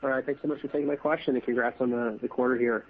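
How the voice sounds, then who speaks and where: A man's voice: medium pitch, fairly even intonation, rapid-fire. A man calling in as an analyst to ask questions on an earnings call, stumbling and repeating words. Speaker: analyst caller. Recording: tinny, narrow phone line.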